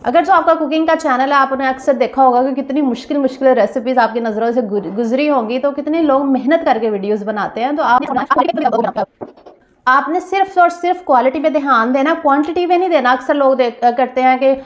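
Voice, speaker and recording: A woman vlogger with a slightly hoarse throat, chatting casually to viewers in a small store room and repeating her points. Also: sits high, brisk. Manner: chatty, repeats phrases, addresses viewers directly. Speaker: vlogger giving channel tips. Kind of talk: casual vlog talk.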